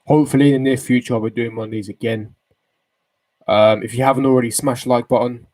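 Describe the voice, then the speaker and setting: A young man of about eighteen talks casually to a livestream chat at a mid pitch. He is slangy and opinionated, often repeating a phrase to press his point. The voice is picked up by a desk microphone in a bedroom. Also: fairly even intonation, fast talker, darkish tone. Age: 18, late teens. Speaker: football fan streamer. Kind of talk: casual livestream chat, reading and answering viewer comments. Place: small bedroom, indoors. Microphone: desk microphone close in front.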